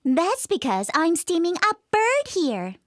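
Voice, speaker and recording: A woman's voice: very high-pitched, wildly swooping pitch, takes it slowly, full character voice. A woman voicing a haughty young princess, aloof and dismissive, in a children's storybook tale. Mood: airy. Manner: aloof, curt.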